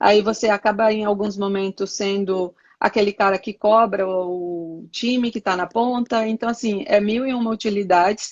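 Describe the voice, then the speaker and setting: A woman with a Bahian accent, medium pitch, fairly even intonation and hardly any pauses. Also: moderate pace. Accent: Bahian Brazilian Portuguese. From Bahia, Brazil. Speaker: sales executive. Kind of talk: interview. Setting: Instagram live video call.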